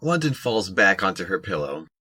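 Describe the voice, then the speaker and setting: A man's voice: low voice, sing-song, normal speed, sharp tone, slightly rough. A man reading scripted narration for an audio drama.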